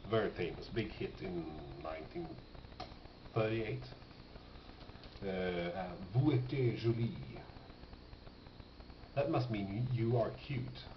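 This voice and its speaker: A man talks slowly and informally, as if thinking aloud while showing off a collection. He often puts questions to himself as he goes. The sound is dull and lo-fi, with a clearly echoing room around him. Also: fairly low pitch, animated. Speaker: record collector presenting finds. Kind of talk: casual off-the-cuff show-and-tell commentary. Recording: dull lo-fi, noisy, roomy sound.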